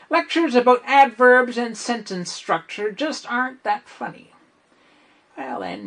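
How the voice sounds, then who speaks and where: A man's voice: very high-pitched, exaggerated voice. A man playing a chatty, self-assured teenage schoolboy in a wry comic stage monologue. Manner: animated, wry, conversational storytelling.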